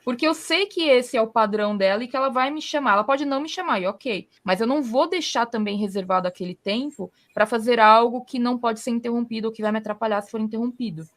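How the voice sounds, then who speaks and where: Brazilian woman host, fairly high voice, chatty explainer leaning on everyday examples. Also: quick pace, few pauses. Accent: Brazilian Portuguese. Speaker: podcast host. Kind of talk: casual conversational advice.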